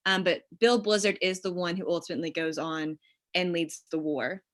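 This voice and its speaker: A woman's voice: on the low side, fairly even intonation, moderate pace, a bit bright. A woman screenwriter explaining things casually and informally, as in a conversation with collaborators. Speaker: screenwriter leading a script table read.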